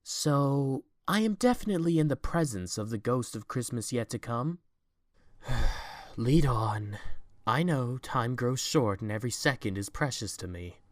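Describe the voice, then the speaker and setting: A man's voice: mid-range voice, expressive, measured pace, no room sound, studio quality, close to an everyday voice. A man playing a proud, apprehensive young CEO in an audio drama, speaking formally and earnestly. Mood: wary, resigned. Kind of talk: fan audio drama acting.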